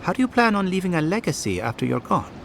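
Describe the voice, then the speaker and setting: Pompous, wildly swooping researcher. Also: male voice, sits high, big pitch swings, fast, vocal fry, a bit bright, a little hiss or hum, heavily acted. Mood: eager, prying. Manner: pompous, theatrical, sardonic. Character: fussy, pompous, condescending male researcher, gleefully nosy. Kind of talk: video game character dialogue.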